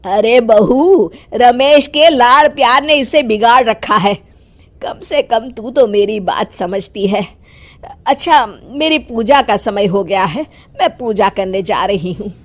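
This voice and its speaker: A woman's voice: a little high, takes it slowly. A woman voicing a strict old grandmother in a cartoon, nagging and dismissive in tone.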